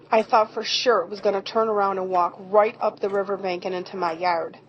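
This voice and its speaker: A woman's voice: medium pitch, close to an everyday voice. A woman playing a friendly rural eyewitness in an amateur audio drama, telling things in a folksy, descriptive way. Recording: muffled, noisy home recording.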